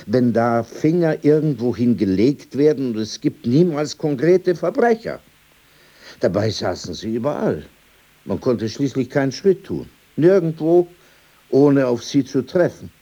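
A man's voice: medium pitch, dark tone, slightly rough. An actor playing an old, opinionated Jewish man in a radio play, digressing indignantly with rhetorical questions and emphatic asides. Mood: indignant, sardonic. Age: older. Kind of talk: radio play, conversational monologue.

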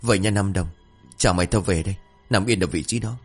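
A man voicing a cold, selfish young man privately turning on his dead friend, in a low voice. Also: fast talker, slightly rough, soft background music.

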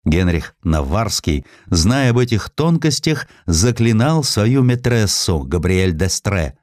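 A man's voice: lowish voice, big pitch swings, slow, darkish tone. A man narrating a historical essay as a scripted audiobook, reading expressively and acting out the quotes.

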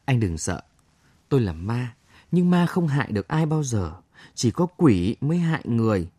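A man reading aloud, voicing the ghost of a young woman who speaks in a gentle, mournful, pleading way. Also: medium pitch, sing-song, moderate pace, slightly rough, dry recording. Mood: sad pleading. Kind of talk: audiobook story reading.

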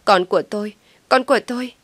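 A woman voicing a distraught young mother who cries out in shrill outbursts. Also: brisk, no echo, natural voice.

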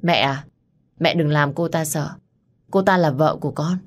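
A reserved young groom in a storybook tale, quiet and calm, read by a woman. The voice stays low and even. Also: moderate pace. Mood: tender. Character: young man, cold groom, gentle with mother.

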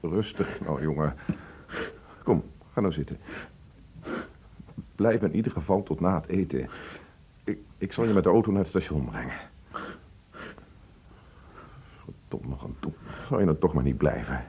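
A man acting a frustrated divorced father in a Dutch radio play, reproachful and emotional, halting when upset. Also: very deep voice, lively intonation, husky, full character voice. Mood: remorseful, pleading. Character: frustrated divorced father pleading with his teenage son. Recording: dull, muffled old radio play recording.

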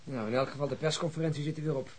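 An actor playing a blunt, probing police colleague in a Dutch radio drama. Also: male voice, on the high side, fairly even intonation, very fast, slight background noise, close to an everyday voice. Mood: challenging.

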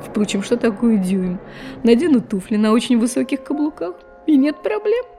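An actress playing a hopeful, plucky young woman of twenty-two in an audio drama, musing and expressive. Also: on the high side, moderate pace, soft background music. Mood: excited, self-assured. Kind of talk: theatrical audio drama acting.

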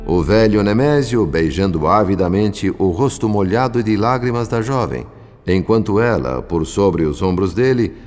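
An actor playing a compassionate, earnest spirit mentor who narrates a radio drama in formal, literary diction. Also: male voice, sits low, a little mellow. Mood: solemn, narrating.

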